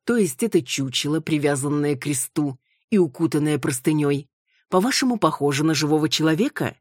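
Brief: icy condescending guide, read by a woman, slow measured words, dry close sound. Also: deep voice, animated, no room sound. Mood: mocking. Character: cold, mocking woman ritual guide.

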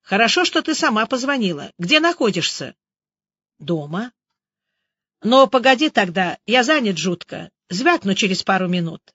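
A woman reading an audiobook, voicing a brisk, friendly male police officer who gives bossy instructions. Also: mid-range voice, big pitch swings, fairly bright tone, no room sound, lo-fi sound.

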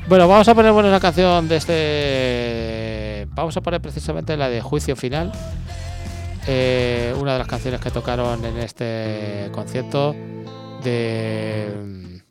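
A man's voice: mid-range voice, measured pace. A man from hosting a casual radio show, chatty and jokey, laughing often with his co-host over background music. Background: music playing.

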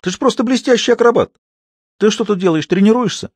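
A man's voice: sits high, fast, husky, no room sound, voice pushed up. A man doing a cheeky, teasing young clown. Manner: teasing, shouting.

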